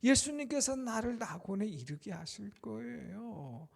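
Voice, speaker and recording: A male pastor preaching a Good Friday sermon, swinging from loud declarations to hushed whispers and leading the congregation in amens. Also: high-pitched, very animated, unhurried, creaky. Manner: leads the congregation in amens and responses.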